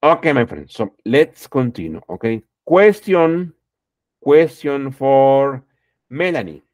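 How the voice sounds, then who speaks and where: A man's voice: medium pitch, expressive, slow pace, a little mellow, no echo. A middle-aged man teaching English online, correcting students patiently and repeating "okay" through a headset. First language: Spanish. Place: home room, indoors.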